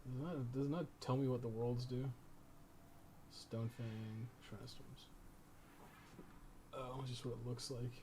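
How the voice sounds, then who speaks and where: A man's voice: medium pitch, steady tone, measured pace, pauses often. Man rambling over gameplay, noisy background. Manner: rambling, thinking aloud, frequent swearing. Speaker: video game streamer and guide writer. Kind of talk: casual live gameplay commentary.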